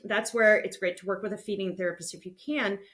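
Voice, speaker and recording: A woman's voice: medium pitch, steady tone, fast, fairly bright tone. A woman hosting a podcast, explaining things to parents in a conversational, instructive and reassuring way. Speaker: podcast host.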